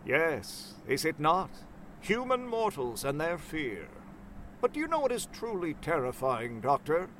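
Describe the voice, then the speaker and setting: A man's voice: on the high side, very animated, measured pace, fairly bright tone, slight background noise. A man playing a theatrical slug monster. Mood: ominous. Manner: theatrical, swings between goofy and ominous. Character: shape-shifting slug monster, playful and theatrical.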